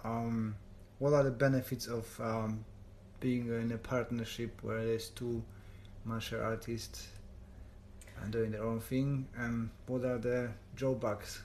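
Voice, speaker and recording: A man's medium-pitched voice in a non-native accent, monotone and flat, at a fairly slow pace with long, frequent pauses. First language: not English. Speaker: karate coach and podcast host. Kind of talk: casual chat. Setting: at home. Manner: halting.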